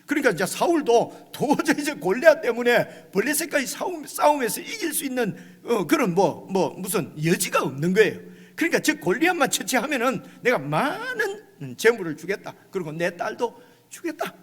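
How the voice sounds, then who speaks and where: A man's voice: extremely high pitch, very animated, normal speed, slightly rough, long reverb tail. A male pastor preaching a midweek sermon in a conversational way, often asking the congregation "right?" and acting out quoted lines. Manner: acts out quoted lines with rising intensity. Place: church sanctuary.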